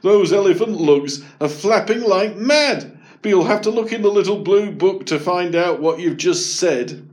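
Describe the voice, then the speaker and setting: A man's voice: on the high side, sing-song, unhurried, pitched above the performer's own voice. A man voicing a matter-of-fact, jokey father in a storybook reading.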